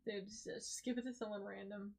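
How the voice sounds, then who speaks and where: A sleepy woman keeps yawning through a relaxed chat on stream. She swears casually and riffs along with her co-host, her voice in a middling register. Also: mid-range voice, a little fast, creaky. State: tired, yawning.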